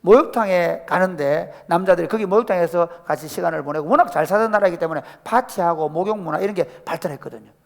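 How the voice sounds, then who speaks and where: A man's voice: sits high, fast, vocal fry, few pauses. A middle-aged man preaching a sermon as pastor, acting out quoted voices and asking the congregation questions. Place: church sanctuary. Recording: church hall with long reverb.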